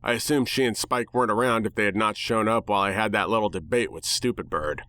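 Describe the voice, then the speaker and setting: A man giving a dramatic first-person reading of fan fiction, sardonic and expressive. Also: on the low side, fast, no room sound, studio quality.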